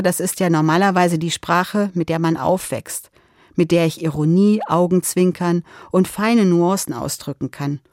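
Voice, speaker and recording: A German-speaking woman reading a calm, personal spiritual reflection for radio. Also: on the low side, dry recording, clean studio sound.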